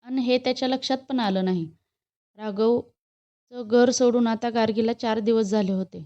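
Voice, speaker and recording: A woman storyteller reading a romance story aloud in a steady, measured way. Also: a little high, no room sound, muffled recording. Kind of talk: scripted storybook narration.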